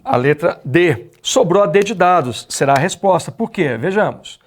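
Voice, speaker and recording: A man's voice: on the high side, animated, moderate pace. A Brazilian man teaching an exam-prep grammar lecture, who explains step by step and keeps asking the class rhetorical questions. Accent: Brazilian Portuguese.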